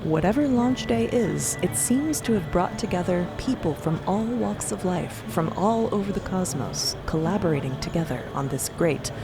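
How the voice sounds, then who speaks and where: A woman narrating a fantasy audio drama in an expressive, descriptive storytelling style. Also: lowish voice, moderate pace, few pauses, music in the background.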